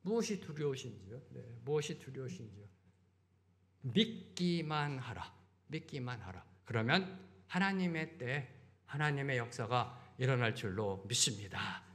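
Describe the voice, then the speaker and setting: A middle-aged male pastor preaching a sermon in a church, full of rhetorical questions and repeated phrases, swinging between loud emphasis and quiet asides. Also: mid-range voice, very animated, a little slow. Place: church sanctuary.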